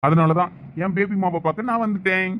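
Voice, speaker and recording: Young man for a comedy skit, pleading and playful, quick talker, faint noise. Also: high voice, fairly bright tone. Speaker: sketch actor. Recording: dull lo-fi recording.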